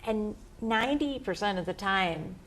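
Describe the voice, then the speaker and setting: A woman's voice: medium pitch, lively intonation, normal speed, fairly bright tone, poor audio. A woman with an American accent, a musician and teacher, talking casually as an interview guest. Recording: clear background ambient noise.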